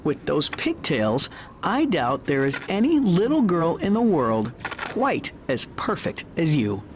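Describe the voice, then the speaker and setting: Slow, high-pitched creepy doting man. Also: huge pitch swings, background noise. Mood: creepy fawning. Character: creepy doting man fawning over a schoolgirl.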